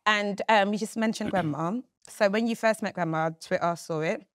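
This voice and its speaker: A woman's voice: mid-range voice, moderate pace, no room sound, clean studio sound. A woman with a British accent hosting a casual interview, playful and teasing, laughing often as she asks questions. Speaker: host.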